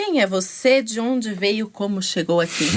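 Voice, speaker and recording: The delivery comes at a moderate pace with lively intonation, and noticeable background noise is present. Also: woman. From Itatiba, São Paulo interior, Brazil. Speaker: actress and storyteller. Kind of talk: interview podcast.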